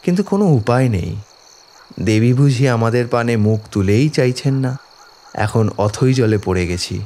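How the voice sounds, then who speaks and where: A man's voice: mid-range voice, animated, a little slow, mellow, natural voice. A man playing a distraught village father in an audio horror story, pleading tearfully and deferentially for his afflicted daughter. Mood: anguished, pleading. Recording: background music under the voice. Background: dramatic music.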